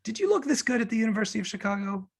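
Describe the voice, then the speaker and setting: Man playing cynical young guy, gravelly and husky, swooping intonation, glib, teasing, opinionated, romantic comedy table read. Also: sits high, sing-song, racing, heavily acted. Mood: curious, teasing. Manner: glib, opinionated, rambling justifications.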